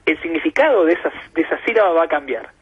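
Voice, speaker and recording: A man's voice: fairly high pitch, lively intonation, fast, husky. A man with an Argentine accent, speaking as a guest expert on a radio interview, patient and professorial, building his points with examples. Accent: Argentine Spanish. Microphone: telephone. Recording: muffled phone line on radio.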